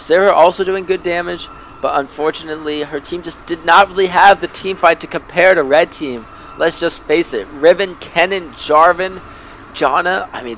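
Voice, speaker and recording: A young man giving amateur play-by-play commentary on a video game, getting excitable and loud during fights. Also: on the high side, a little hiss or hum.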